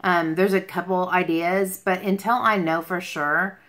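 Bright-voiced woman in her forties, chatting. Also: lowish voice, steady tone, a little slow. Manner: rambling, jumps between topics. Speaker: beauty livestream host. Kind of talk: casual livestream chat answering viewer questions. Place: small furnished room at home, indoors.

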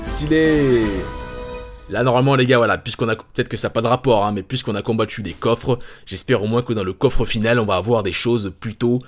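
A man giving excited gameplay commentary, hyped and swearing casually as he talks to his viewers. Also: mid-range voice, fairly quick, soft background music. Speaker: gaming YouTuber. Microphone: facecam setup.

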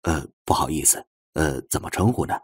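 A man voicing a gentle, tactful professor with a soft, courteous way of talking in an audiobook. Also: very deep voice, fairly quick, husky, voice pushed down. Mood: polite, apologetic. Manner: soft, courteous, probing questions. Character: gentle, polite, tactful male university professor.

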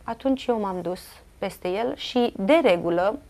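A woman's voice: mid-range voice, darkish tone. A middle-aged woman with a Romanian accent, an interview guest earnestly recounting a personal family story with many fillers and quoted dialogue.

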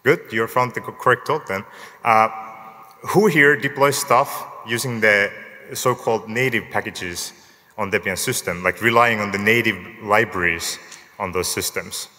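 A man from Finland, giving a relaxed, lightly joking technical talk at a lectern in a large conference hall. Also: lowish voice, moderate pace. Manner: relaxed, lightly joking, asks the audience show-of-hands questions. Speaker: conference speaker. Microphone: lectern microphone. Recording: long hall reverb, from the lectern mic.

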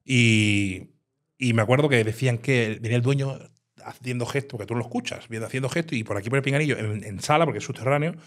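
A man with an animated storytelling manner, recounting his time as a nightclub bouncer in a casual interview. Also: mid-range voice, fast. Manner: animated storyteller, acts out quoted dialogue.

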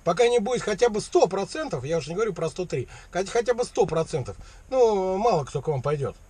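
A man's voice: high-pitched, animated, quick pace, dark tone, slightly rough. A man chatting casually on a call from a vehicle cab, rambling and slangy in a mock-naive way. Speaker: prankster taking a sales call. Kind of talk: casual colloquial phone chat. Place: inside a parked vehicle cab.

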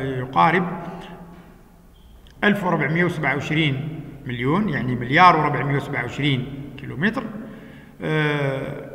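A man teaching a lesson, working through exercises step by step with patient explanations and frequent "uh" pauses. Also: fairly high pitch, fairly bright tone. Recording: echoey room with long reverb.

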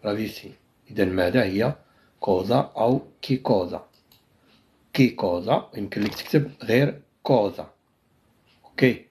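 A man with a Moroccan Arabic accent teaches Italian in a live online lesson. His voice sits a little low, and he says each word again and again, stretching the phrases out slowly. He is unwell and coughs as he goes. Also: a little mellow. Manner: repeats each word many times, drills phrases very slowly.

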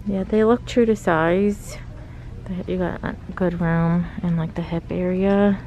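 A woman's voice: fairly low pitch, steady tone, a little slow, mellow. A woman giving casual, chatty shop-with-me commentary, thinking aloud as a vlogger inside a store. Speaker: shopping vlogger. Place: inside a large retail clothing store. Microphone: handheld camera mic, speaker behind camera. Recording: faint background noise, store ambience.

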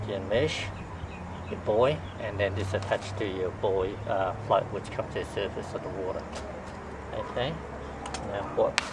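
A middle-aged man talks through a hands-on demonstration one step at a time, his voice sitting fairly low. He is recorded outdoors by a camera mic a few feet off, with clear street and outdoor noise around him. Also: recorded from a distance. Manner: plain step-by-step explaining while working with his hands. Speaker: fishing tutorial host. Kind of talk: how-to demonstration. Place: outdoor driveway beside a boat trailer. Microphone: camera mic a few feet away.

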